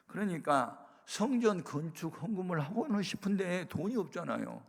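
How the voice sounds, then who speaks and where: A male pastor giving a sermon testimony, telling his story with animated bursts of loud emphasis. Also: mid-range voice, creaky. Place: prayer retreat sanctuary. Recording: reverberant worship hall.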